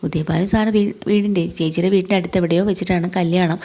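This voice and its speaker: A cheerful young woman, played by a woman, who teases and chats in quick bursts. Her voice is low and mellow. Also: steady tone. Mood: chatty. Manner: teasing, friendly questions.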